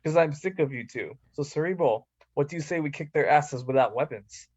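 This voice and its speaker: Higher-voiced man reading wrestling promos. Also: fairly quick, darkish tone, husky, dry recording, highs cut off. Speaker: amateur actor reading a wrestler's promo lines. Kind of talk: staged reading of wrestling promos, with casual asides.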